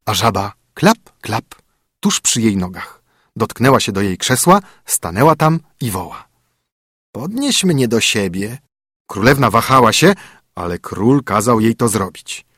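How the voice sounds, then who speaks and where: A man reading a fairy tale aloud, lilting and expressive as he narrates. His voice is husky with lively swings in pitch. The recording is dry and close, without room sound. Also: dry recording. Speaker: storyteller.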